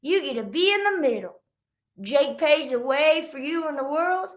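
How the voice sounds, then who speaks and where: A woman voicing a patient but exasperated mother in a children's storybook read-aloud, reasoning and gently scolding. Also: high voice, expressive, moderate pace. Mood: reassuring. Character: patient but exasperated mom of squabbling siblings.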